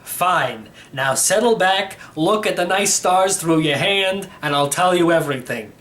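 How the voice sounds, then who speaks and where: A man's voice: high-pitched, animated, measured pace, a bit bright. A man voicing an eccentric, cheerful elderly uncle in a storybook, explaining things in a rambling, matter-of-fact way. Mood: patiently explaining. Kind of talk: storybook character reading.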